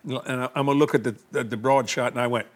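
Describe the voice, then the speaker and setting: A man's voice: mid-range voice, steady tone, fast. An older man, hosting a Christian TV talk show in a folksy, colloquial way and leading a prayer. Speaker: televangelist host.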